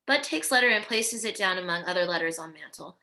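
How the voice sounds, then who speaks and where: A woman's voice: fairly low pitch, expressive, quick pace, sharp tone. A woman narrating stage directions from a screenplay at a virtual table read.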